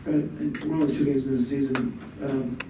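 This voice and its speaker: A man's voice: medium pitch, little pitch movement, fairly quick, vocal fry. A male sports reporter asking rambling, multi-part questions at a postgame press conference. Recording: very echoey room, far from mic, background noise.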